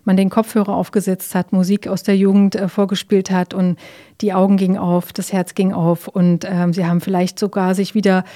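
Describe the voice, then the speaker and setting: Give me a calm woman with a mellow voice explaining things patiently in an interview. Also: medium pitch, brisk. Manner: calm, explanatory, frequent fillers and tag questions.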